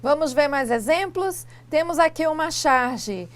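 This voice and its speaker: A woman teacher from Brazil explaining grammar rules in a lesson, asking rhetorical questions and pronouncing example words slowly. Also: high-pitched, expressive. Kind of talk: classroom lesson dialogue.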